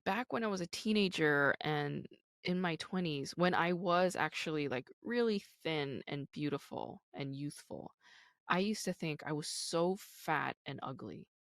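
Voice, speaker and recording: A woman's voice: low voice, expressive, measured pace, no echo, clean studio sound. A woman in her thirties hosting her own podcast, talking candidly and casually with lots of "like" and "you know". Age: 30s. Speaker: podcast host. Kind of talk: casual solo podcast talk.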